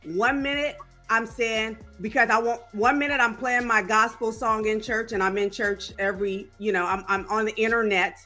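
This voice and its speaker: Bright-voiced woman, measured and deliberate. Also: fairly high pitch, steady tone, soft background music. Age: 40s. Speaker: talk show co-host. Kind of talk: call-in discussion.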